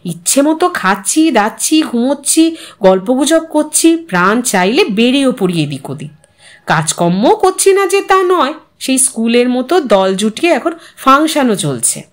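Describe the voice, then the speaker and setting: An older mother voiced by a woman narrator talks on in a fairly high voice. She is a content, chatty housewife in a storybook tale, earnest and reflective about her life. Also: very animated, measured pace. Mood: cheerful, assertive. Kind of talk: storybook character dialogue.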